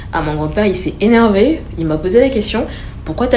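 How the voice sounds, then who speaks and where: A woman with a medium pitch speaks at a moderate pace amid noticeable background noise and audible room echo. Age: 20s. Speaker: interview guest, eldest daughter. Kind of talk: personal testimony interview.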